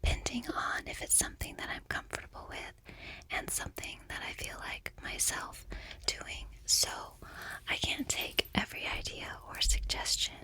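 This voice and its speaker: Reading aloud in a gentle whisper, this middle-aged ASMR creator keeps her voice low and soft. Her pace is unhurried and her manner soothing throughout.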